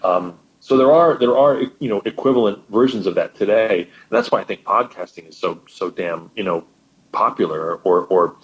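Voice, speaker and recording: A man's voice: lowish voice, normal speed, lo-fi sound. A man speaking as a guest co-host in a casual chat. He explains at length and often stammers and repeats words.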